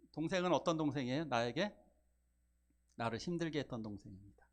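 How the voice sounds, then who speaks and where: A middle-aged pastor delivering a Sunday sermon in a fairly high voice that climbs and drops all over the place. He pushes up loud and emphatic at his big points, then sinks to soft, low asides, and slips into the voices of the people in his story. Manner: animated preaching, swinging from loud emphatic rises to low quiet asides; acts out family members' lines in quoted speech.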